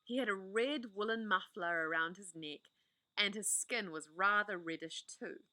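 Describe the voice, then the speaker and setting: A woman reading a children's novel aloud, expressive, with the odd small slip. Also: medium pitch, unhurried, dry recording. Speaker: storybook reader.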